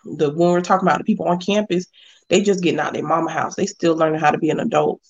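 A woman guest on a podcast, speaking in a relaxed, plain-spoken casual chat. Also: low voice, fast talker. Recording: dull, muffled audio.

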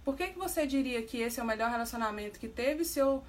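A woman's voice: a little high, lively intonation, fast talker, a little hiss or hum, natural voice. A woman voicing a defensive, irritated husband, read aloud plainly in a Brazilian accent.

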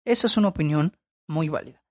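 A man's voice: on the high side, fast, darkish tone. A man giving opinion commentary as a film vlogger. He talks in an emphatic, lecturing way and repeats his points.

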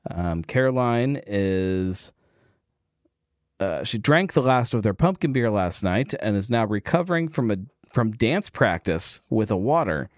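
A man's voice: lowish voice, lively intonation, measured pace, no room sound, clean studio sound. A man hosting a casual beer livestream, easygoing and rambling, with lots of fillers as he reads viewers' messages. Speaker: livestream host. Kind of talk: casual chat.

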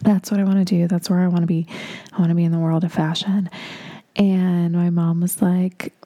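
A young makeup artist from Moldova, whose first language is Russian, hosts her own podcast and rambles chattily about her life in a casual solo monologue, peppering her speech with likes and you-knows. Her voice is on the low side and dark in tone, delivered flatly at a normal speed.

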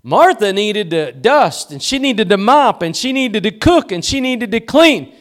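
A man's voice: sits high, very animated, measured pace, a bit bright. A male pastor preaching a sermon in a church, with emphatic repeated cadences and rhetorical questions.

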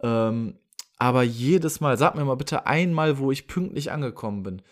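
A man's voice: mid-range voice, animated, moderate pace. A young man co-hosting a podcast, chatting casually and teasing his co-host with exaggerated complaints. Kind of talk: casual chat.

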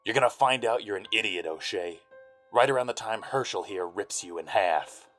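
A man playing a down-on-his-luck, stubborn private eye in a noir audio drama, gruff, intense and husky. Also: lowish voice, expressive, normal speed, fairly bright tone, soft background music. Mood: angry. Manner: gruff, intense, hard-boiled.

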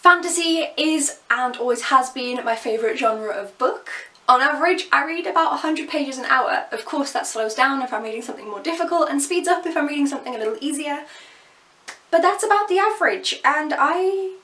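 High-voiced chatty woman in her twenties. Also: expressive, sharp tone, roomy sound. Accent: received pronunciation, slightly softened. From England. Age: 20s. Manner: chatty, laughs often, quick asides. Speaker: vlogger. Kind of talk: casual to-camera chat.

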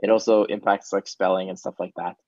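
Low-voiced man, Hebrew native, plain talk. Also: little pitch movement, brisk, a little mellow, no room sound, highs cut off. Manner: casual, earnest, with frequent ums. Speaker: startup founder. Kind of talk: interview answers.

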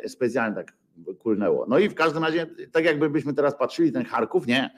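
Male host, mid-pitched, sarcastic and foul-mouthed, halting rambling delivery. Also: animated. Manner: sarcastic, profane, full of hesitations. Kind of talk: rambling satirical monologue.

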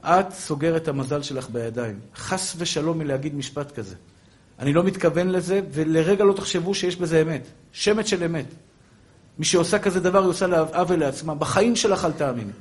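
A man, a rabbi giving an impassioned religious sermon, addressing his listeners directly. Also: a little high.

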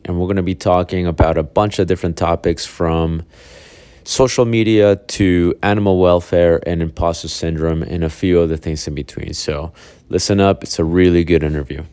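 A man's voice: low-pitched, fairly even intonation, moderate pace, a little mellow, clear, resonant tone, no room sound. A man who grew up in South America, hosting an interview and asking loose, filler-heavy questions. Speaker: podcast host.

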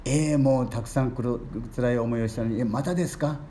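An older man, a Catholic priest giving a gentle storytelling sermon and lifting his voice on key words. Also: mid-range voice, fairly quick, a little hiss or hum.

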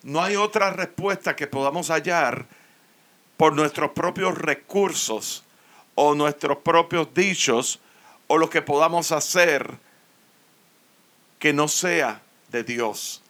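A man preaching a sermon, slowly and earnestly explaining a psalm verse by verse. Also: fairly high pitch, bright, forceful tone. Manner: slow, earnest expository preaching.

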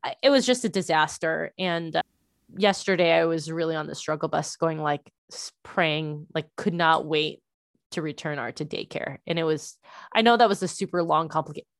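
A young adult woman, a parent, telling a frustrating story in casual chat, animated and full of "like" fillers. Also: sits low, moderate pace, dry recording, studio quality.

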